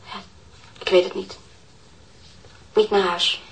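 Worried mother, subdued, halting delivery, mid-range voice, crime radio drama. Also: mid-range voice, flat delivery, vocal fry. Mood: subdued, lost. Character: anxious subdued mother of a missing young girl. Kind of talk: audio crime drama acting.

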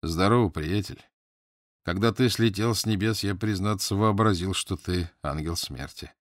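A male reader voicing a wounded captive English lord, speaking hoarsely, slowly and wearily in a low voice. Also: no room sound, studio quality, natural voice. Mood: wry.

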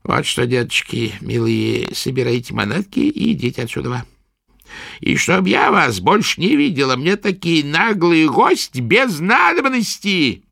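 A man voicing a spiteful old female forest witch who speaks scornfully in a raised, creaky, drawn-out voice. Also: on the high side, big pitch swings, sharp tone, no echo, clean studio sound, pitched above the performer's own voice, heavily acted.

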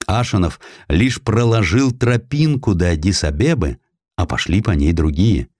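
A man reading a historical essay as an audiobook narrator, in a measured, dramatic storytelling delivery with expressive emphasis. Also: low-pitched, no echo, clean studio sound.

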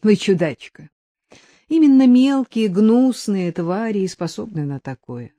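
A woman voicing a kind, easygoing man who teases gently, in a storybook reading. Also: medium pitch, expressive, measured pace, dry recording, lightly acted. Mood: reassuring. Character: kind, joking male stranger giving a lift.

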